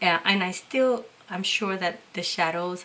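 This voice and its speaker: A woman with a non-native accent speaks in a fairly low voice. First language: not English. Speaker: art YouTuber. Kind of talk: casual tutorial. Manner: halting, many fillers.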